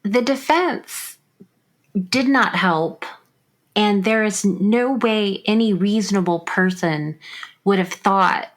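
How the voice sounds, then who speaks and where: A woman's voice: medium pitch, slow pace. A woman co-hosting a true crime podcast, laying out her argument step by step with plenty of fillers in casual discussion. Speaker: podcast co-host.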